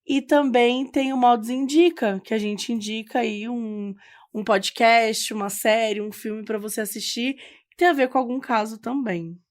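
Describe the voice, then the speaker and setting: High-pitched Brazilian woman chatting as podcast co-host. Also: normal speed. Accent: Brazilian Portuguese. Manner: informal, slangy, exclamatory. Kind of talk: casual chatty conversation.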